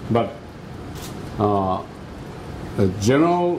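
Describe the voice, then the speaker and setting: There is audible room echo and light background noise. A man with a Korean accent speaks with ordinary pitch variation. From South Korea. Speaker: professor. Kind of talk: conference talk. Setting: stage with audience. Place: meeting room. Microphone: podium.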